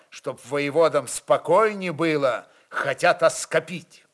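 Man narrating dramatically, slowish, fairly high voice. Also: fairly bright tone. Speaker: narrator of a literary radio reading.

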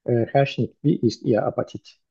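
Man as a doctor taking a history; halting and hesitant, husky and dark, dull lo-fi recording. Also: mid-range voice, no echo. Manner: slow, halting, many "äh" and "mhm". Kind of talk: medical exam role-play.

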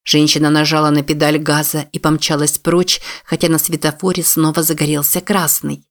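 An audiobook narrator reading a novel in steady scripted narration. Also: medium pitch, normal speed.

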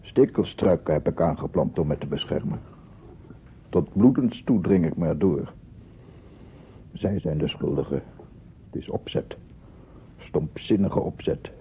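A narrow, noisy old radio play recording carries a paranoid man obsessed with sound. His voice is low and gravelly. He mutters bitterly to himself, repeats his words and swells into theatrical proclamations. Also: full character voice. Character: paranoid, obsessive male amateur sound researcher, unhinged and embittered. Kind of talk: radio drama monologue.

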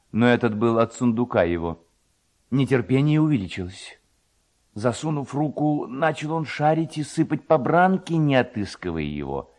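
A male narrator reading literary prose dramatically. His voice sits at an average pitch and moves through wide, animated intonation as he tells the story.

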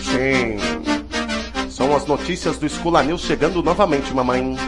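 A man's voice: medium pitch, a little slow, over loud music. A Brazilian man hosting comic news, reading items with chatty, singsong asides. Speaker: host of comic news segment.

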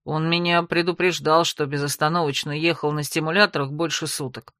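Lady doing a lower-voiced young guy, flustered, making excuses, dry recording. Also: fairly even intonation, brisk, a bit bright, no room sound. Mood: defensive. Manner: defensive, bewildered.

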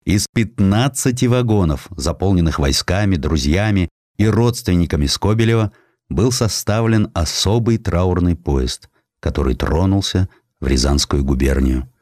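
A man reading a historical sketch as an audiobook narrator, in an expressive, dramatized storytelling manner. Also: low voice, moderate pace, no echo, clean studio sound. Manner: expressive storytelling, voicing quotations.

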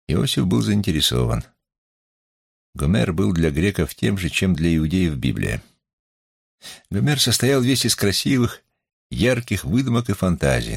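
A man reading a literary novel aloud in a measured, expressive storytelling manner, with a husky, creaky voice. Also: deep voice, no echo, clean studio sound. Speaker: audiobook narrator.

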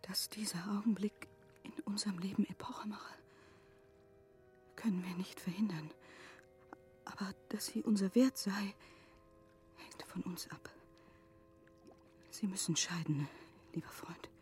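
Actress as hushed, slow-speaking grave noblewoman. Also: mid-range voice, fairly even intonation, soft background music, lightly acted. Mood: solemn resolve. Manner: hushed, halting, solemn delivery. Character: grave, self-restrained noblewoman parting from her beloved. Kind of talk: literary radio drama acting.

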